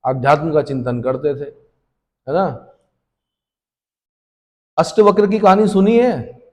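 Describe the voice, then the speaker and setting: Quizzing history teacher, echoing room. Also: male voice, a little high, animated, slow. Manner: asks students questions and answers them himself. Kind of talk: classroom lecture for exam prep. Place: classroom. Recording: long reverberant room echo.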